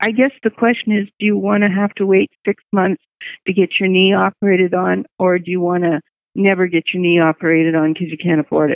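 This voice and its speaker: With a Canadian accent, a woman talks in a plain, everyday voice at a medium pitch, moving at a fairly quick pace with fairly even intonation. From Canada. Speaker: personal story contributor. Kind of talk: personal testimony.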